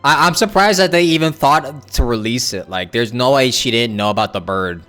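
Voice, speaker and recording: A man's voice: medium pitch, normal speed, a bit bright, smooth. A man streaming a video game and giving casual, off-the-cuff reaction commentary. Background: game music.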